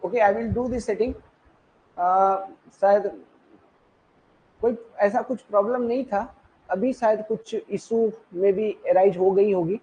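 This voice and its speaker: A man's voice: high-pitched, steady tone, slow pace, pauses often, mellow, a little hiss or hum, poor audio. Man teaching an online exam class. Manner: repeats himself, checks in with listeners. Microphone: own mic in a live online session.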